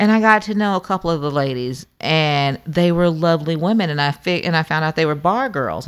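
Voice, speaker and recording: A woman with a plain, everyday voice and an American accent talks at a fairly quick pace and a fairly low pitch. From Oklahoma, US. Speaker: travel company owner. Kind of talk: casual chat. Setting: on location in Manhattan.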